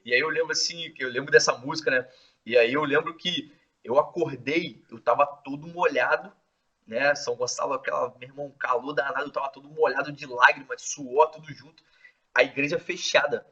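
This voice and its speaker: A man casually telling his testimony in an excitable, slangy way, full of filler words. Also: fairly high pitch, a little fast, slightly rough. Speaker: host sharing his testimony. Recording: distant, dull lo-fi mic.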